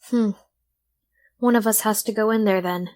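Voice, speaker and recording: Practical, medium-pitched heroine, played by a woman. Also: steady tone, moderate pace, a little mellow, natural voice.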